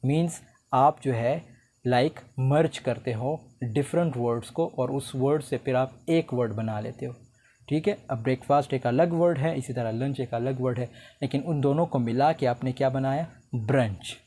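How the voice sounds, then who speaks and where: Man, mellow tone, lecturing from slides, slow read-out definitions. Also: medium pitch. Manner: mixes read-out English definitions with conversational explanation. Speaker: teacher. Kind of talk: recorded lecture explaining slides.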